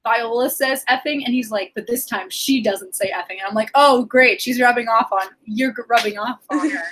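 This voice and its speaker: A woman's voice: on the high side, normal speed, a bit bright, a little hiss or hum. A young woman in a casual book chat, often quoting and acting out lines as she talks. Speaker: book discussion co-host.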